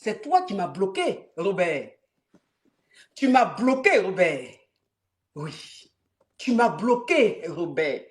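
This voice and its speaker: A woman's voice: mid-range voice, big pitch swings, slow pace, long pauses, voice pushed down. A woman voicing an angry, betrayed wife who accuses her husband over and over. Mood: accusing. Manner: accusing, insistent.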